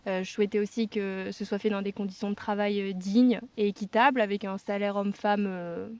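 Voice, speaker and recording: Female vlogger, medium-pitched, relaying life stories in casual conversation. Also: steady tone, fairly quick, a little mellow, no echo. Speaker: vlogger telling a life story with partner. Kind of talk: casual storytelling chat.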